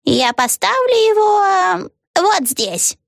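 A woman voicing a scheming old witch who talks in a drawn-out, falsely tender sing-song. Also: high-pitched, lively intonation, no echo, studio quality, voice pushed up. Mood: sugary sing-song.

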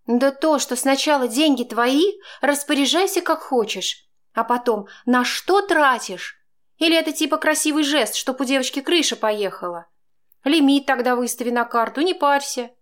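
A woman reader voicing a young woman who bristles and argues heatedly with her partner, in a much higher voice than her own. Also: animated. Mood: indignant. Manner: indignant, quick to flare up.

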